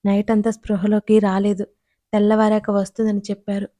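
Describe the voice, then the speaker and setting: A worn-out, tearful young woman tells what happened, as a woman storyteller puts her on. Her voice is mellow and flat in pitch. The sound is dry and close. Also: fairly quick, dry recording, close to an everyday voice. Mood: weary. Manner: tired, tearful recounting.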